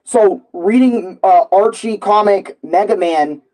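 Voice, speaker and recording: A man rambling casually and excitably on a live stream, full of slang and repeating himself. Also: high voice, slow, poor audio. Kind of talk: casual, rambling live stream chat about comics and games.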